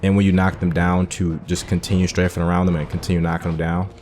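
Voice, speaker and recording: A young man with a very low voice talks through gameplay in a relaxed, explanatory way, dropping fillers as he goes. Faint game music sits underneath. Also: quick pace. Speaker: gaming channel host. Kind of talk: casual gameplay commentary.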